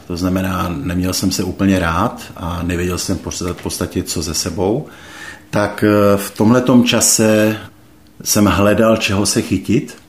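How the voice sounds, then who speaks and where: A deep-voiced man, speaking as an interview guest, gives reflective personal testimony. He talks slowly, hesitantly and thoughtfully, with many pauses and fillers.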